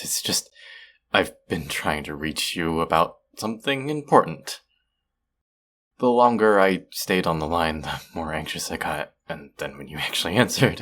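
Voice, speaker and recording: A male actor performs an awkward young man with a deep voice in an intimate, one-sided audio drama. He is sweet and apologetic, talking as if on a phone call. His delivery is hesitant and rambling, full of self-deprecation. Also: a bit bright. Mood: flustered, apologetic.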